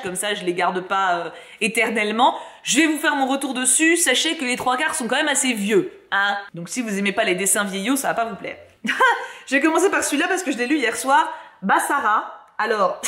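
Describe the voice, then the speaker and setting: A young woman talks through her recent reads in a loose, slangy way, laughing along as she goes. Her voice sits a little high, and the room around her gives it a noticeable echo. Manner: chatty, laughing, slangy and animated. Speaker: book reviewer. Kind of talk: casual chat. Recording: echoey room.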